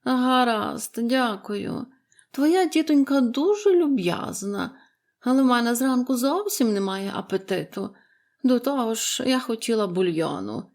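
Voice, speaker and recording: A sullen, fretful bedridden woman of forty, speaking dryly and dragging her words out slowly, as a woman reads her part. She is from a storybook. Her complaints come out peevish and tired. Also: fairly high pitch, animated, a little mellow, pitched above the performer's own voice. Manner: fretful, sullen, slow and dry.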